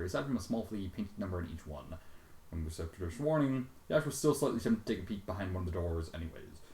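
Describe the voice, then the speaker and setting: A man giving a dramatic reading with exasperated, sweary commentary and sudden loud outbursts. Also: fairly low pitch, creaky, echoey room. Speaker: fan fiction reader and commentator.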